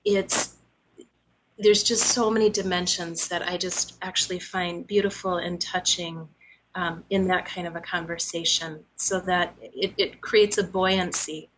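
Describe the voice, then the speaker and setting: Thoughtful woman therapist, gentle and reflective. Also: on the low side, low-quality recording. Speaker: guest, therapist. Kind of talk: reflective interview answer.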